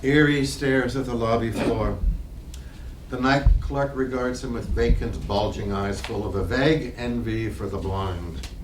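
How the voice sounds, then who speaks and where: A man's voice: medium pitch, fairly even intonation, measured pace. A man reading scripted literary stage directions as the narrator of a play reading. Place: library reading room. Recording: distant mic, echoey room, noisy.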